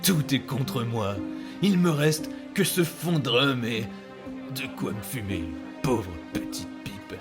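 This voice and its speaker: A man playing a boastful, luckless pirate captain in an audio drama, with a gravelly voice and a pompous, theatrical delivery. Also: medium pitch, lively intonation, slow pace, music in the background. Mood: self-pitying. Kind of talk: French audio drama acting.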